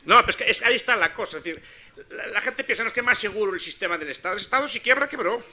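A middle-aged man argues at a conference table microphone. His voice is high-pitched and very bright and forceful. He is combative yet jokey, hammering points home by repeating words. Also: expressive, racing. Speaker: professor, conference speaker. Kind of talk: animated debate with audience questions. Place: wood-panelled conference hall. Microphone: gooseneck table microphone.

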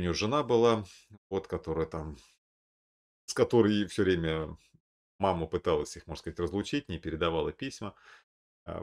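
A man's voice: sits low, vocal fry. A man in his thirties recommending films to camera in a casual, rambling way, with lots of fillers and restarts, seated indoors and filmed on a webcam. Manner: rambling, with many fillers and self-corrections. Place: indoor room, seated at a desk.

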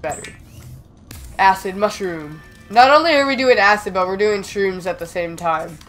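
A young man with a slightly raspy voice from being sick, chatting excitedly as he plays and talks back to the game. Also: high-pitched, normal speed, faint music behind. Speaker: gaming channel host. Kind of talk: casual gameplay commentary.

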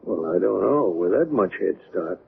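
An actor playing a sober, resigned, skeptical friend in a 1970s radio drama. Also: male voice, low voice, expressive, moderate pace, gravelly. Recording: narrow-band old radio, background noise.

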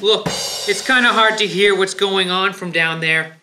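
A man's voice: high voice, steady tone, unhurried, full character voice. A young man playing an earnest, nervous, conciliatory young fellow in a radio play, somewhat hesitant. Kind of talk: stage radio-play acting. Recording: loud music under stage performance.

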